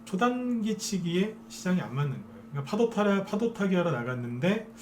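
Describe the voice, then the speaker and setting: A man's voice: high-pitched, very animated, fairly quick, a little hiss or hum. A man giving a live stock trading lecture as a broadcaster, persuading viewers and often asking them to agree.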